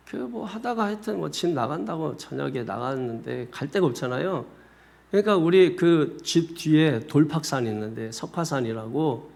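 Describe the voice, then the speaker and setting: A male pastor delivers a sermon in a church sanctuary, weaving in personal stories. His voice sits a little high for a man and swings widely in pitch. He keeps turning to address his listeners directly. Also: vocal fry. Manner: animated storyteller, often addressing the congregation directly. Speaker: senior pastor.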